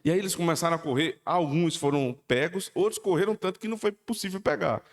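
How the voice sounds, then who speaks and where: A man preaching a sermon, animated, jumping between loud emphatic peaks and low quiet asides at a shifting pace. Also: fast. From Northeast Brazil. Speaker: pastor. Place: church sanctuary. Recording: long hall reverb.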